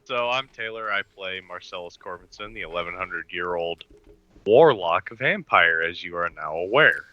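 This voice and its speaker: A man introducing himself casually as a player on a game podcast, with a dry, deliberate delivery. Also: low-pitched, animated, pushed and bright, dry recording, muffled recording.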